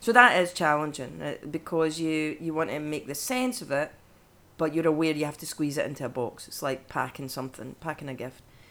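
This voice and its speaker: A very clean recording with a silent background, big swings in loudness, lively intonation, a fairly quick pace and a Scottish accent. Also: woman, very deep, low pitch for a woman. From Scotland. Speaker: actress and voice actor. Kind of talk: casual interview chat.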